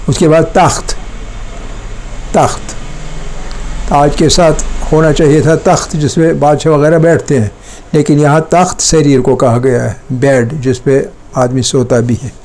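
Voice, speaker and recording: A man's voice: a little high, steady tone, measured pace, a little mellow, slight background noise. A male teacher giving a classroom language lesson, patiently explaining and repeating each word many times, checking in with pupils through short questions. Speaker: Persian teacher. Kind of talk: classroom lesson, dictating and drilling words.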